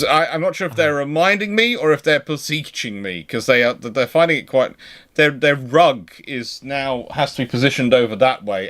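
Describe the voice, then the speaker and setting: A man's voice: mid-range voice, fairly bright tone. A British man hosting a live question-and-answer chat, talking discursively and often rephrasing himself mid-sentence. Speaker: host.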